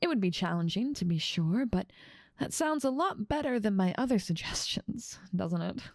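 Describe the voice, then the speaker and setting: A woman's voice: medium pitch, animated, moderate pace, no room sound, studio quality, natural voice. A woman voicing a dominant demon ruler of hell in an ASMR roleplay, teasing, condescending and self-assured. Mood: coaxing.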